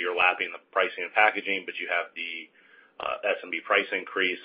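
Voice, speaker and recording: A man speaking as a financial analyst, asking brisk, informal questions on an earnings call. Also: deep voice, slightly rough. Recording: muffled lo-fi call audio.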